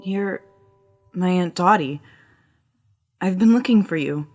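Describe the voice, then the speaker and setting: A woman's voice: lowish voice, slow pace, a little mellow, faint music behind. A woman playing a stubborn, wry young searcher in an audio drama, guarded and battered. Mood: weary, wry.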